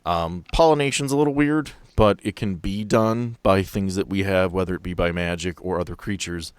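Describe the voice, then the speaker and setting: Low-voiced man running a tabletop game. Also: moderate pace, smooth, no echo. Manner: playful, conversational. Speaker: game master. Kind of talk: casual improvised tabletop narration.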